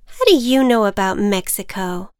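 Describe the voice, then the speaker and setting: A woman's voice: moderate pace, darkish tone, clear, resonant tone, no room sound, studio quality, natural voice. A woman voicing a timid, fussy female butterfly who is afraid to fly, in a read-aloud storybook. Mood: fretful. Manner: defensive, fussy, high-strung.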